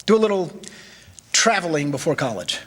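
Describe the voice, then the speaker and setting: Kindly boss angel played by a guy, fairly high voice, calm authority, telling it like a radio play. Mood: storytelling. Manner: measured, benevolent, in charge. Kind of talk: staged radio drama reading.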